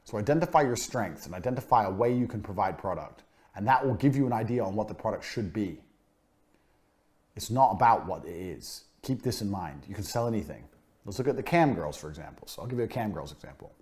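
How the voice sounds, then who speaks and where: A man's voice: on the low side, animated, fairly quick, darkish tone. A man giving a motivational business lecture, blunt and boastful, swearing freely and hammering points home with repetition. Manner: punchy, emphatic repetition. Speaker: business course speaker.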